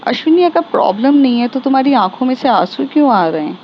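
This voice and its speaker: A woman's voice: sits high, sing-song, quick pace, lo-fi sound, a little hiss or hum. A woman voicing a young woman who is a caring, protective friend, reassuring one moment and bossy in her friend's defense the next. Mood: concerned. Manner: soothing, then bossy and protective.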